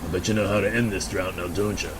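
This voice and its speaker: A man's voice: deep voice, steady tone, noisy background, close to an everyday voice. A man playing a suspicious, desperate backwoods drifter with a folksy, accusing manner in an amateur radio drama. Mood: suspicious, taunting. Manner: folksy, accusing, drawn-out taunting.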